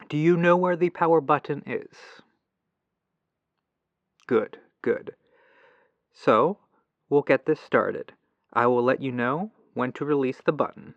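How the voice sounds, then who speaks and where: Male actor as patient, methodical robotics support agent for an ASMR phone roleplay; helpful, mid-pitched, muffled telephone sound. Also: measured pace, long pauses, dry recording. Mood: patient, instructive. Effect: telephone lo-fi filter.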